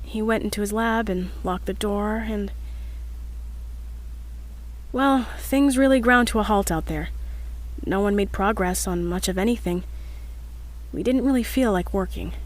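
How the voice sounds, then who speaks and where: A woman's voice: mid-range voice, lightly acted, rough recording. A woman playing an earnest, determined young scientist in an audio drama, speaking in a reflective, slightly hesitant confessional log.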